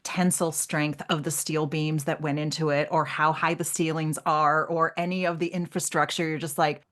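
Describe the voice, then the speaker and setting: Low-pitched woman talking books casually. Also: a bit bright. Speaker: literary podcast co-host. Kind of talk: casual literary discussion.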